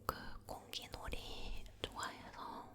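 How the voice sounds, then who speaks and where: A woman leaning in to whisper close to the mic, telling personal stories in a hushed ASMR style, gently repeating words. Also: slow. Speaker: ASMR host.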